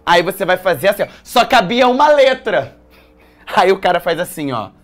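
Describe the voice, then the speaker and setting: A man teaching an exam-prep writing lesson, lively, slangy and joking as he explains grammar rules. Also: sits high, normal speed.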